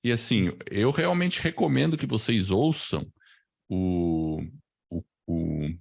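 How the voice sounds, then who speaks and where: A man's voice: on the low side, lively intonation, slow pace, creaky, darkish tone. A man with a Brazilian accent hosting a casual online class in an informal, chatty way, often tacking on tag questions. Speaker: host, podcasting teacher. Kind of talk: casual live online class chat and promotion.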